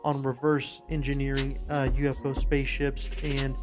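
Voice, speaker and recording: American male podcast host, mid-pitched, informal and rambling, emphatic commentary over clearly audible music. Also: completely flat delivery, moderate pace. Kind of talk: casual commentary to listeners.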